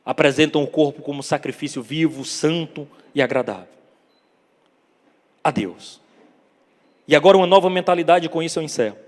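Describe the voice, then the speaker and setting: A man with a northeastern Brazilian accent preaching a sermon, telling the story dramatically, acting out dialogue and building to loud climaxes. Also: fairly high pitch, moderate pace, pauses often. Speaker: evangelist preacher. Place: church hall. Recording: long church reverb.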